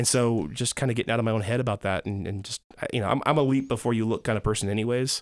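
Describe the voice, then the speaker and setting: Talking at a very fast pace with hardly any pauses, a man with an American accent uses medium pitch and fairly even intonation on a very clean recording with a silent background and a dry, close sound with no echo. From US South, Georgia (DeKalb County). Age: 40s. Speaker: youth pastor. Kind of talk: casual chat. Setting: studio.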